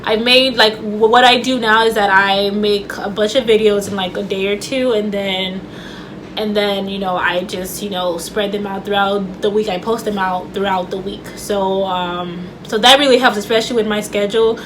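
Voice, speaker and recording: A woman's voice: mid-range voice, steady tone, moderate pace, rough recording. A woman vlogging casually to camera. She stutters and talks loosely, with lots of fillers and restarts. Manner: stutters, with repeated words and restarts; chatty and loose, with many fillers. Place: home room with air conditioner running. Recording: faint air conditioner hum.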